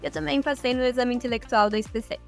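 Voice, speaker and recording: Friendly young woman, higher voice. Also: fast talker, creaky, faint music behind. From Rio de Janeiro state, Brazil. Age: 20s. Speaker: approved medical student. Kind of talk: short testimonial.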